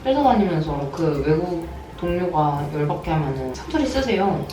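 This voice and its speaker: A woman's voice: lowish voice, sing-song, normal speed, music in the background. A woman in her thirties, a hair stylist chatting and laughing with a client in a salon. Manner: chatty, laughs often, acts out silly captions. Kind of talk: casual chat with a client. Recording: roomy, distant mic, noisy background.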